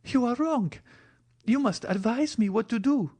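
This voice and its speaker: A man's voice: extremely high pitch, a little slow, darkish tone, husky, heavily acted. A man reading a novel aloud, voicing a desperate young woman who pleads and cries out. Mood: pleading.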